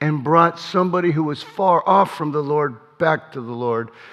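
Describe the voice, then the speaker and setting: A man with an unremarkable speaking voice and a fairly high pitch speaks with lively intonation, keeping a moderate pace. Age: 60s. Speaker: pastor. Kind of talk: sermon. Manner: conversational.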